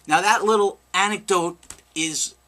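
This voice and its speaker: A middle-aged man, a patient advocate, tells an anecdote and then gives an earnest fundraising pitch for his nonprofit. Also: unhurried. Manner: lively storyteller, earnest and promotional.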